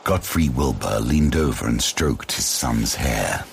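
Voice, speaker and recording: A man narrating a gothic horror drama in an ominous, deliberate, theatrical storytelling manner. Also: rumbling low, expressive, vocal fry, a little hiss or hum. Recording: loud cinematic music bed. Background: loud dramatic music.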